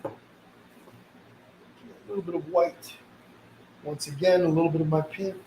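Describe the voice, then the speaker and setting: A man hosts a casual painting lesson in a slightly sniffly, fairly high voice. He guides viewers in an easygoing, reassuring manner. The sound is quite roomy, with a little background noise. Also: fairly even intonation, moderate pace, warm tone. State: slight sniffles from a mild cold. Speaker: painting instructor hosting a live session. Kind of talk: casual live painting tutorial.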